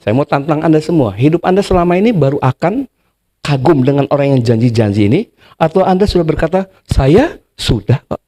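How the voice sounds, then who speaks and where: A man's voice: on the high side, fast talker. A man preaching a sermon, talking with the congregation, asking questions and acting out little scenes. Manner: lively preacher, talks with the congregation, asks them questions. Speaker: pastor. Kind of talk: sermon with illustrations.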